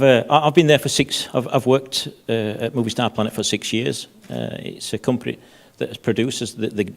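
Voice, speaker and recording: Low-voiced man, halting conference panelist. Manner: halting, repeats words often. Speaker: panelist, head of safety. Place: conference stage.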